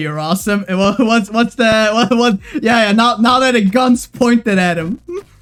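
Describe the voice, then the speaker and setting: There is noticeable background noise as a man with a high pitch speaks. His pace is moderate and his pitch variation ordinary. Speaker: game streamer reading chat.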